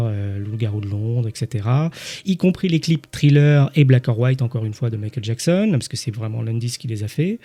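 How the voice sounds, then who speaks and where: A man co-hosting a film review podcast with a dark, mellow tone at mid pitch. He talks through technical details, full of hesitations and fillers. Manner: hesitant, lots of "euh" and "en fait". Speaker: podcast co-host.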